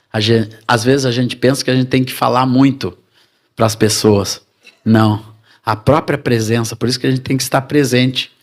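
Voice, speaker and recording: A middle-aged Brazilian man telling his conversion testimony in a sermon, animated and addressing the congregation as brothers. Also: mid-range voice. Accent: Brazilian Portuguese. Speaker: preacher giving testimony.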